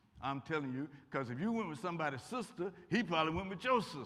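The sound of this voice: A fast-paced man with a fairly bright tone, fairly high pitch, and lively intonation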